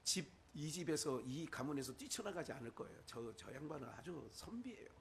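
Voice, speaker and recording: A man's voice: on the high side, expressive, a little fast, gravelly, a little hiss or hum. A male pastor with a Chungcheong Korean accent, preaching a sermon full of rhetorical questions and quoted asides.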